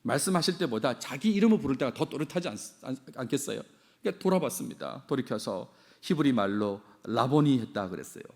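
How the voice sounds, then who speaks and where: Lively middle-aged Korean pastor preaching. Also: male voice, medium pitch, fast, creaky. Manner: expressive, repeats key phrases, asks the congregation questions. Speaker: senior pastor. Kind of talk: sermon.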